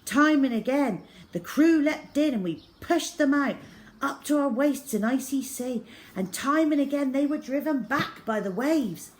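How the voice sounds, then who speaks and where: A woman storyteller reading a children's novel aloud in the first person, with measured, dramatic feeling. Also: high-pitched, animated, low-quality recording.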